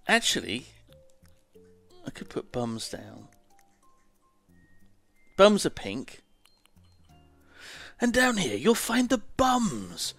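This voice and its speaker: A man's voice: a little high, wildly swooping pitch, very slow, creaky, long pauses, fairly bright tone, dry recording, faint music behind. Man doing posh tutorial patter. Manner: theatrical, overly polite presenter patter. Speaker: streamer doing an impression. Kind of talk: mock-posh gameplay tutorial.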